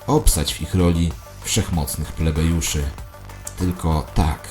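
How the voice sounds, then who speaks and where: A man's voice: very deep voice, fairly even intonation, measured pace, music in the background. A man voicing a solemn, doctrinaire conspiracy ideologue preaching emphatically in a satirical audio drama. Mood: fervent, conspiratorial.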